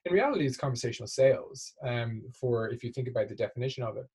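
Male executive guest, mid-pitched and slightly rough-voiced, conversational explainer who keeps checking the listener follows. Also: lively intonation, fast, a little mellow. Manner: explanatory, often seeks agreement with tag questions. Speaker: interview guest, marketing executive. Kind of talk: conversational business interview.

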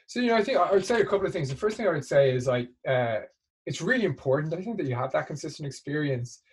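A man's voice: on the high side, animated, fast, husky. A man speaking as an executive guest in a business interview, explaining conversationally and often checking in with tag questions.

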